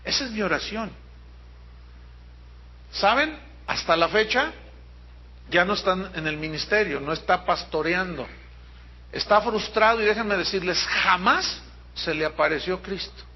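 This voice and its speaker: A pastor with a Mexican Spanish accent preaches emphatically in a church auditorium, drawing out key words and mimicking people. His high-pitched, slightly rough voice has lively intonation, though the recording is muffled.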